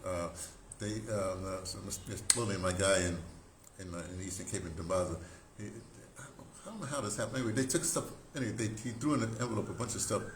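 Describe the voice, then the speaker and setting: A man in his seventies telling stories informally, in a halting, digressive way with emphatic stresses. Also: low voice. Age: 70s. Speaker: audio dramatist recounting theater history. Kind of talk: informal rambling storytelling to camera. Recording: roomy echo, background noise.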